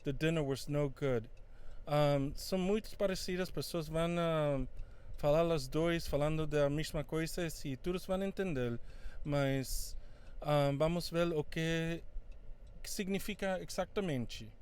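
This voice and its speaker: A man's voice: on the high side, darkish tone, clear, resonant tone. Man teaching in Portuguese. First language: English. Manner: switches between English and Portuguese, halting with fillers. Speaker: English teacher. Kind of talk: bilingual English lesson.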